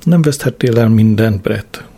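A man voicing a brisk, exasperated young woman. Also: on the low side, warm tone, slightly rough.

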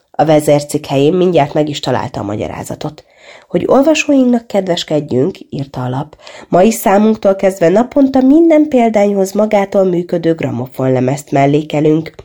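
A woman reads a humorous short story aloud in a mellow, warm voice pitched a little low. Her delivery is lively, with the melody swinging widely as she voices the quoted lines. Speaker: reader.

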